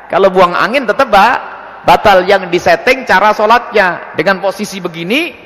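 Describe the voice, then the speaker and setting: A man preaching and answering religious questions in a lively, animated way, acting out little scenes as he explains. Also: moderate pace, big-room sound. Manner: lively, animated, acts out scenes with sudden pitch jumps. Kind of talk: religious Q&A lecture.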